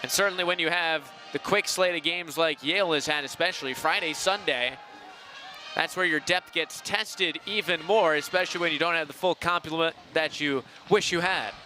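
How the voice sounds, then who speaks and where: A man's voice: fairly high pitch, moderate pace, pushed and bright, faint music behind. A man calling live soccer play-by-play as the announcer.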